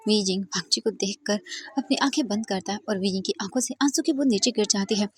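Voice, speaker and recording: A woman's voice: medium pitch, fast. A woman casually narrating her own fanfiction story, chatty and mixing in English words.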